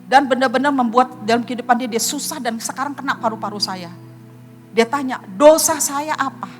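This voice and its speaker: A middle-aged woman pastor with a high voice delivers a sermon, weaving a personal story into her preaching. She speaks earnestly and turns to the congregation directly. Soft music plays faintly underneath. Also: fairly quick, long reverb tail.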